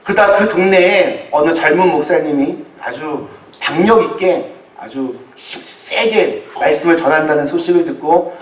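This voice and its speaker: A man preaching a sermon as a pastor to a congregation, telling it in deliberate phrases with pauses. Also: a little high. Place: large echoey room, church service. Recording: echoey hall, distant microphone.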